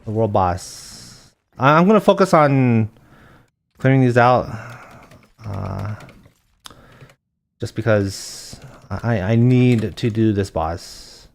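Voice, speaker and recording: A soft-spoken young man chatting casually while live-streaming a game, reading chat aloud and thinking out loud with a gentle voice. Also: lowish voice, lively intonation, slow, creaky, long pauses.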